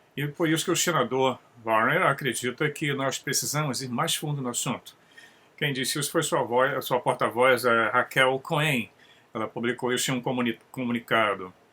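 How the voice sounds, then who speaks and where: Talking at a moderate pace, a man keeps a medium pitch. His pitch varies in an ordinary way. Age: 60s. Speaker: UFO enthusiast commentator. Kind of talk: casual monologue commentary. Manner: halting, frequent self-corrections.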